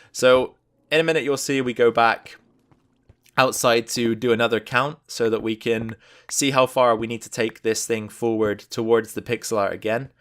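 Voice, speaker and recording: A man's voice: lowish voice, a bit bright. A man giving casual gameplay commentary as a let's play host, thinking aloud and explaining each step as he goes.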